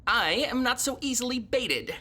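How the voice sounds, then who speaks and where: A woman's voice: a little high, lively intonation, moderate pace, noisy background, close to an everyday voice. A woman voicing a bitter, bewitched young man who stammers and speaks coldly. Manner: cold, resentful, stammering.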